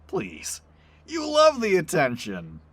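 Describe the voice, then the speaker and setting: A man's voice: a little high, wildly swooping pitch, takes it slowly, fairly bright tone, husky, no room sound, full character voice. A man playing a teasing, sarcastic co-worker in an audio drama. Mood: teasing, gleeful. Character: cheeky, teasing male co-worker.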